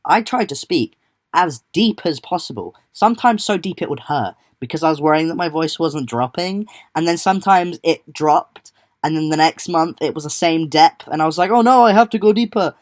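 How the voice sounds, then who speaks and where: A man's voice: on the high side, lively intonation, normal speed. A young trans man giving a chatty, rambling update vlog to his viewers, joking at his own expense. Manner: chatty, rambling, self-deprecating. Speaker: vlogger.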